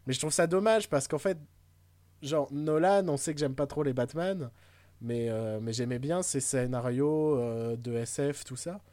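A man's voice: medium pitch, measured pace, darkish tone, dry recording. A man co-hosting a podcast, chatting casually about films in a rambling, hesitant way with frequent fillers and jokes. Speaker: podcast co-host. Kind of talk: casual film chat.

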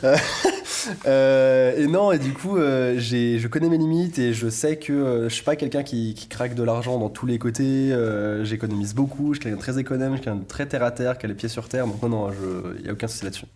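A man's voice: medium pitch, fairly quick, mellow, slight background noise. A young man, a YouTuber talking through an interview with many fillers and restarts. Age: 20s. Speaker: YouTuber guest. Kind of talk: casual interview chat.

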